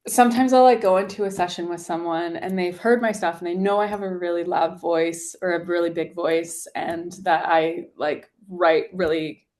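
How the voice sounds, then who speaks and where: Young woman, singer-songwriter guest, slightly low voice, loose and chatty with constant "like" fillers. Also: steady tone, normal speed, few pauses, darkish tone. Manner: chatty, heavy use of "like" fillers. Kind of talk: casual interview chat.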